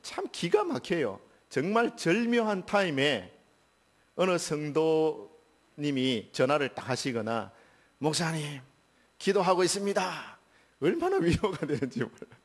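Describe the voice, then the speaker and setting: A middle-aged pastor preaches to his congregation in a church. His fairly high voice climbs louder and higher as he presses his points home. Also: big pitch swings, unhurried. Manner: builds to loud, high emphatic preaching. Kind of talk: sermon. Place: church sanctuary.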